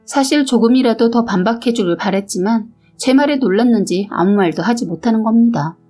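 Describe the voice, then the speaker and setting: A woman's voice: a little high, brisk, dark tone. Woman reading a story, faint music. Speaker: story reader. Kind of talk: read-aloud story narration.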